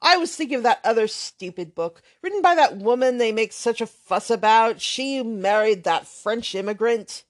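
A woman voicing a boastful, blustering young man, loud and emphatic. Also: fairly high pitch, expressive, normal speed, hardly any pauses, lightly acted.

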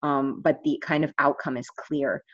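An online language coach, a woman whose first language isn't Finnish, talks through her ideas on a casual video call, thoughtful but pausing on fillers and restarting sentences. Her voice is low with fairly even intonation, and the recording sounds dull and dry, without any room around it.

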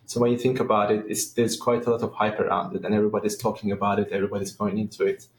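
Low-voiced Turkish man, echoey room. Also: little pitch movement. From Turkey. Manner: measured, searching for words. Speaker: AI researcher. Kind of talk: interview guest, explaining. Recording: echoey room with faint noise.

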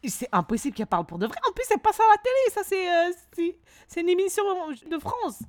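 A woman co-hosting a casual chat, emphatic and expressive, mixing English phrases into her talk. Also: very high voice, fast. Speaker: podcast co-host.

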